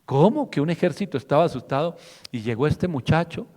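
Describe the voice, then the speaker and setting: A man's voice: on the high side, lively intonation, fairly quick, darkish tone, in a large hall. A man preaching a fervent radio sermon, asking rhetorical questions and acting out quotes. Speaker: pastor.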